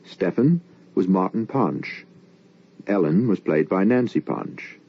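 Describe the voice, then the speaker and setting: A male radio host gives formal closing credits in a deep voice. He takes his time, speaking very slowly. The old recording is muffled. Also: lively intonation, breathy edge.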